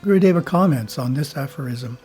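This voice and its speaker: A man who is a spiritual teacher reads his editorial in a slow, measured way and chants Om between the passages. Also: medium pitch, animated, dark tone, soft background music.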